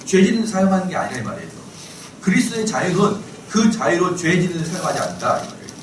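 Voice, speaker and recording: A man's voice: sits high, fast, distant mic. A middle-aged male pastor giving a Bible class lecture, firing rhetorical questions at his listeners and acting out the people he describes. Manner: fires rhetorical questions at the audience; animated, acts out quoted people. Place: church lecture hall. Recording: echoey hall, voice from off-mic, faint hiss.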